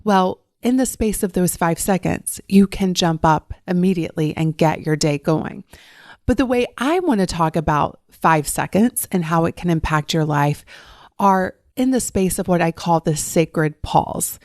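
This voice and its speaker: A woman hosting her own life coaching podcast, speaking in a warm, effusive and encouraging way. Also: on the low side, a little slow, dry recording, clean studio sound. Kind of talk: podcast monologue. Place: recorded while traveling abroad.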